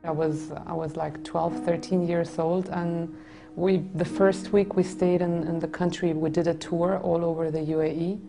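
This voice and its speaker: A woman in her twenties from a Greek family in Germany, calmly recounting her own story in a seated studio interview. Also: on the low side, moderate pace, gravelly, music in the background. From Greek family, born in Germany. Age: 20s. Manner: reflective, soft, with frequent restarts. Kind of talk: personal testimony interview. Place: indoor studio set with red curtains.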